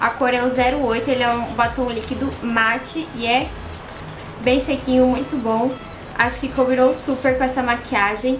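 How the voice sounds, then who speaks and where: A woman speaks at a high pitch and a moderate pace, leaving long, frequent pauses. Her intonation is flat and monotone, and faint music plays in the background. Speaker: beauty vlogger. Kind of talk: tutorial. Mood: cheerful, friendly. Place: home room.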